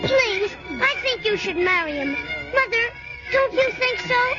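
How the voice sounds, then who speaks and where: A woman's voice: very high-pitched, a little slow. A woman playing an eager, chattering young boy in a 1940s radio drama. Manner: excited, childish pleading. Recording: dull lo-fi 1940s radio with music.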